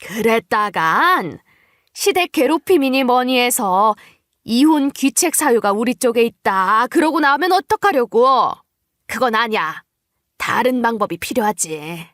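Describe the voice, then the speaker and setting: A woman voicing a scheming, scornful older mother-in-law in a dramatized story, nagging with drawn-out emphasis. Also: a little high, expressive, fairly bright tone, no room sound, studio quality. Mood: sly, conspiring.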